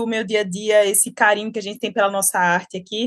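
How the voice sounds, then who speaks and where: Over a quiet background, a woman speaks at a fairly quick pace with a medium pitch. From Brazil, Pernambuco (Paulista, Recife metro area). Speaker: singer. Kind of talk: interview.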